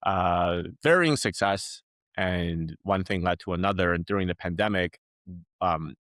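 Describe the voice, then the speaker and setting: Low-voiced guy from china chatting on a podcast, laid back, dry sound. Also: unhurried, dry recording. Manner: relaxed, candid, full of "like". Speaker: guest, company founder. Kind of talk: casual interview talk.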